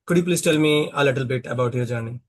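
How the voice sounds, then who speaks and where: Talking fast in a medium-pitched voice, this Bangladeshi small YouTuber serves as a practice-conversation partner. He keeps asking questions, using lots of fillers and restarting his sentences.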